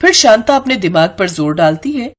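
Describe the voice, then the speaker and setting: A woman's voice: mid-range voice, very animated, moderate pace. A woman giving scripted narration for a cartoon story.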